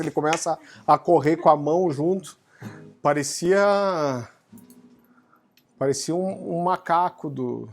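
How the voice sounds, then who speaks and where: Animated Brazilian preacher telling a story. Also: male voice, a little high. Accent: Brazilian Portuguese. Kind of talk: sermon testimony. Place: home living room. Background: faint guitar music.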